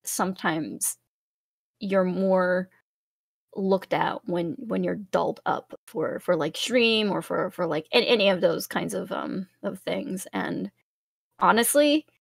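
Cute bubbly streamer lady, bit of vocal fry, rambly casual chat, close dry sound. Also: lowish voice, takes it slowly, no room sound. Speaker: VTuber and streamer guest.

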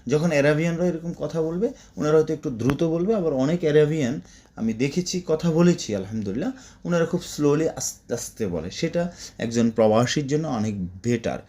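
A man's voice: fairly high pitch, lively intonation, a little fast, mellow. A man teaching spoken Arabic to Bengali speakers, repeating words in drills and breaking off into chatty asides.

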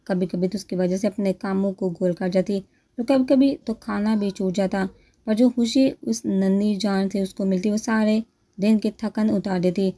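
Woman reading a romance novel out loud, steady, warm mellow voice. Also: medium pitch. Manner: steady storytelling. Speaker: novel narrator.

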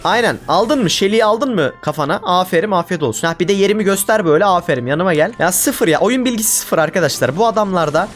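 A man giving casual commentary over his own gameplay, exasperated and ranting at his teammates. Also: high voice. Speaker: gaming YouTuber.

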